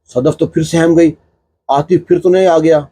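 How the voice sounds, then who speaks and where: A man tells a domestic story in a loose, chatty manner, often breaking it up with small fillers. His voice is husky and mellow, and it sits fairly high for a man. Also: fairly even intonation, dry recording. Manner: conversational, filler-laden narrating. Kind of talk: casual spoken storytelling.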